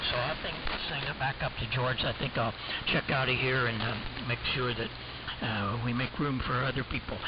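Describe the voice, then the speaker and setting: Man on distant, very noisy AM radio. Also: medium pitch. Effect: AM shortwave radio transmission. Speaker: amateur radio operator. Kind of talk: casual ham radio chat. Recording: muffled AM radio, loud static, distant. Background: heavy radio static.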